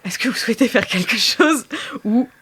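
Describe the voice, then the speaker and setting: A woman's voice: a little high, expressive, normal speed, a bit bright, slight background noise. A woman narrating an improvised tabletop game in an informal, playful way as game master. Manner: informal, playful, swears casually.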